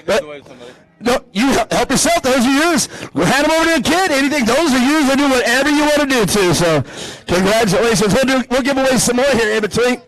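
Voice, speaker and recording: High-voiced, energetic race track announcer. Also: male voice, fairly quick, dry recording, poor audio. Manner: energetic, joking crowd hype. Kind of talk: live event announcing. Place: outdoor off-road race track.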